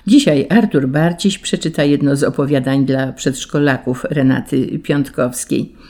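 A man calmly introducing a children's story reading as the program's presenter. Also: mid-range voice, unhurried. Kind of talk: scripted announcement.

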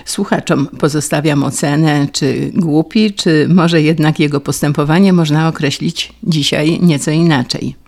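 A man's voice: a little high, little pitch movement, normal speed, creaky, few pauses. A man presenting a radio literature program, formally introducing the next reading. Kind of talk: program announcement.

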